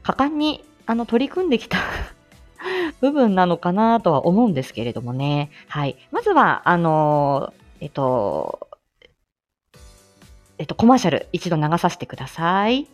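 A woman's voice: fairly low pitch, big pitch swings, measured pace, faint music behind. A woman hosting a live stream, chatting casually with frequent laughter and many fillers. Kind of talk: casual chat.

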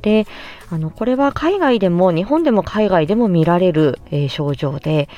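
A woman with a slightly low voice talks through a topic as a podcast host and speech therapist. She is polite and measured, pausing often with soft fillers. Faint music plays underneath. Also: expressive, muffled recording. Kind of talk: explanatory podcast monologue.

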